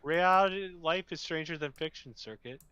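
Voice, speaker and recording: A man's voice: a little high, moderate pace, bright, forceful tone, clear, resonant tone, no echo. A man co-hosting a casual online show, speaking hesitantly with fillers. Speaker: podcast co-host. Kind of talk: casual chat. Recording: dull lo-fi mic, dry.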